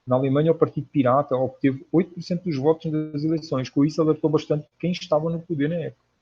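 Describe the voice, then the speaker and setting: A man's voice: fairly high pitch, fairly even intonation, fast talker, faint music behind. A man from Portugal with a Portuguese accent, speaking casually and earnestly as a livestream host, with emphatic repetition, on lo-fi audio. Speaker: online spiritual lecturer, livestream host. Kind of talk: casual livestream talk answering viewers' comments.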